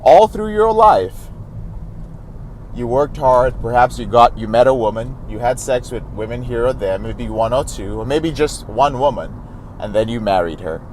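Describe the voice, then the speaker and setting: A man's voice: medium pitch, expressive, moderate pace, a little mellow, slight background noise, low-quality recording. A man working as a recovery coach, giving earnest, direct advice to camera and calling his listeners brothers.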